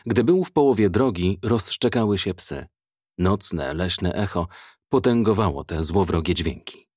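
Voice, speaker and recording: A man narrating an audiobook in a measured, dramatic storytelling manner. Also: deep voice, lively intonation, darkish tone, husky, dry recording, clean studio sound.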